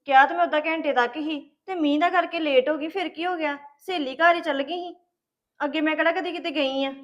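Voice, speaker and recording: A woman's voice: high-pitched, steady tone, a little fast, lo-fi sound, close to an everyday voice. An actress playing a young college student defending herself to her family. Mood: defensive. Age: young adult. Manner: defensive, explaining, hurt.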